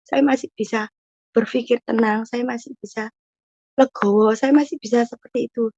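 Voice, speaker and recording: A woman's voice: on the high side, steady tone, moderate pace, dark tone, no echo. A woman giving an emotional personal testimony, earnest and repeatedly addressing her listeners. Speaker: testimony guest. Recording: muffled dull audio.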